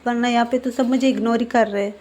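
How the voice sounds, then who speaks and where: A woman's voice: fairly high pitch, fairly even intonation, fast, a little mellow, natural voice. A woman voicing a sulky, jealous young man who turns possessive, reading his lines in a petulant, teasing way in a fan-fiction story.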